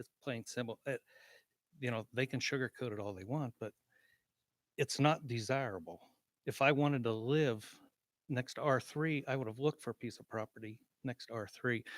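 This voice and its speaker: This man has a medium-pitched voice with ordinary pitch variation and big swings in loudness, talking at a moderate pace with long, frequent pauses. The recording is very clean with a silent background, and the sound is dry and close with no echo. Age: 60s. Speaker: resident speaking at public comment. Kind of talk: public comment at city meeting. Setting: city commission meeting. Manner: halting, repetitive.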